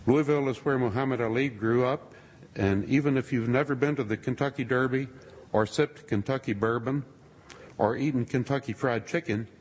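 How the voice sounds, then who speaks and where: A man giving a sermon-style talk to a congregation, with dry, wry asides and a husky voice. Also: mid-range voice, slight background noise. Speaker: speaker addressing a congregation. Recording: long reverb of a large hall.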